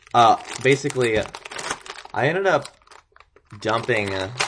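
A fairly low male voice comes through clearly audible background noise. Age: 20s. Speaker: podcast host. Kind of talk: casual monologue. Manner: halting, many fillers. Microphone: laptop built-in microphones.

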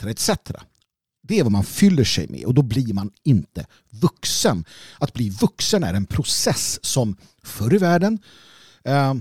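In a very clean recording with a silent background and a dry, close sound with no echo, a man with a medium pitch and a dark, mellow, somewhat breathy tone speaks at a fairly slow pace with very wide pitch swings. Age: 40s. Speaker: podcast host. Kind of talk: monologue commentary. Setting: home recording by a fireplace.

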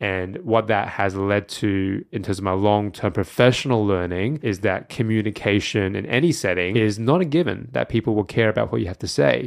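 In an ordinary speaking voice, a man talks at a moderate pace and fairly low pitch with ordinary pitch variation, hardly any pauses and a quiet background. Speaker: scientist podcast host. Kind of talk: casual chat.

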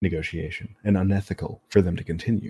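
The speaker has an American accent and a somewhat breathy voice, talking at a fairly quick pace with fairly even intonation. The recording is very clean with a silent background. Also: man. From Texas. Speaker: game writer and video essayist, former attorney. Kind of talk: casual chat.

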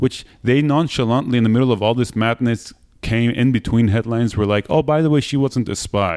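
With an ordinary speaking voice, a man talks at a fairly quick pace, fairly low in pitch with ordinary pitch variation. The sound is dry and close with no echo, on a very clean recording with a silent background. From Iran, partly raised in Eugene, Oregon. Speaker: musician and podcaster. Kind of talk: interview conversation.

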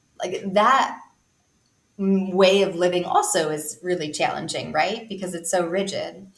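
Within audible room echo, a woman speaks fairly slowly at a medium pitch with fairly even intonation. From US Midwest, Cleveland, Ohio. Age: 30s. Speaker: clinical psychologist and professor. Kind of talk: casual interview.

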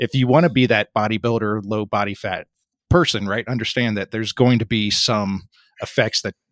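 On a very clean recording with a silent background and a dry, close sound without echo, a man speaks in a normal speaking voice at a fairly quick pace, medium pitch and ordinary pitch variation. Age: 40s. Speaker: podcast host. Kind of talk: casual chat.

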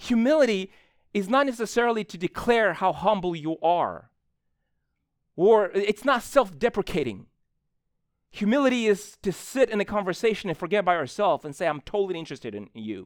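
At a fairly quick pace, a man with an Eastern European accent speaks in a high pitch with lively intonation, the sound dry and close with no echo in a very clean recording with a silent background. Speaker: preacher. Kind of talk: sermon. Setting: church.

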